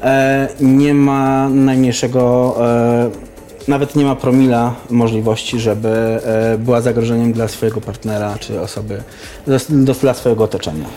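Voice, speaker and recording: A man speaking as an interview guest, explaining things informally in a careful, halting way. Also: medium pitch, fairly even intonation, dark tone, soft background music. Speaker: interview guest, campaign activist.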